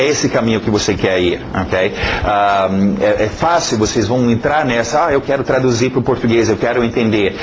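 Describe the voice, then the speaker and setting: A man's voice: mid-range voice, dull audio, a little hiss or hum. Chatty male teacher saying "ok?". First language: English. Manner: chatty, repeats "ok?" often, many fillers. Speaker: English teacher. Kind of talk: casual course introduction.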